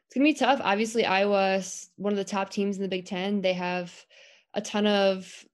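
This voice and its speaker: A woman in her twenties co-hosts a college basketball podcast, speaking with medium pitch, fairly even intonation and a moderate pace. She's easygoing in the casual sports chat, laughing often and saying "um" a lot.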